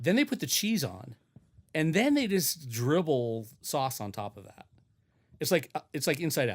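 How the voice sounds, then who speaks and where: In a Pacific Northwest accent, a man with a fairly high pitch and vocal fry talks at a moderate pace, his pitch swinging very widely. His loudness varies a lot, and the recording is very clean with a silent background. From Washington State (Puyallup). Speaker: photographer. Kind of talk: casual chat.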